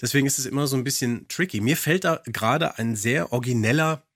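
A man's voice: medium pitch, fast talker, a bit bright, dry recording, clean studio sound. A man co-hosting a podcast, talking casually and analytically about radio drama in a chatty, reflective way. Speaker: podcast co-host who has adapted radio plays.

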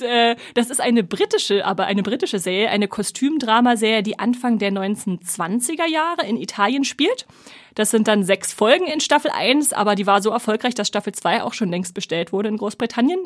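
A woman's voice: medium pitch, no room sound, clean studio sound. A woman co-hosting a casual podcast, presenting new series in a chatty, upbeat way with lots of fillers. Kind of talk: casual chat.

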